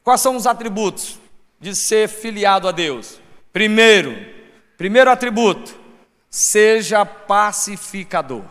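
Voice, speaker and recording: A man preaching a sermon as pastor, with a Brazilian Portuguese accent, swinging between shouted points and soft asides. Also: high voice, expressive, measured pace. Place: church hall. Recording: long church reverb.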